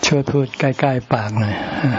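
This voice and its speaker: A male monk giving a calm dharma talk and answering questions, unhurried and full of fillers. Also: medium pitch, a crowd in the background. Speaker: monk teacher. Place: meditation retreat hall. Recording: dull sound with faint hiss.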